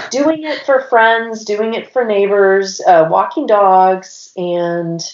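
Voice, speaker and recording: A woman in her forties with a cold and a slightly raspy voice, telling her story as a podcast guest in long, strung-together sentences. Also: medium pitch, very slow. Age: 40s. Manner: rambling, stacks clauses with "and". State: has a cold. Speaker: podcast guest, business owner. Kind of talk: casual interview storytelling. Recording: roomy, dull lo-fi sound.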